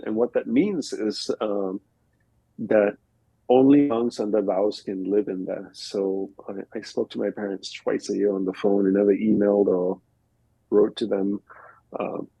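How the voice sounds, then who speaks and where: Male guest from Australia, low-pitched and breathy, reflective and explanatory; dry close recording. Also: mellow, no echo, rough recording. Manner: reflective, explains in plain step-by-step examples. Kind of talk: relaxed conversational interview answers. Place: home in Costa Rica.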